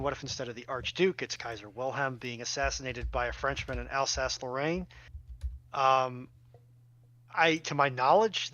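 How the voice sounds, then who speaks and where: A man's voice: medium pitch, sharp tone, muffled recording. A man chatting casually on a panel as a self-described layman, somewhat hesitant and self-deprecating. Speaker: panelist giving layman's takes. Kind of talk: casual chat.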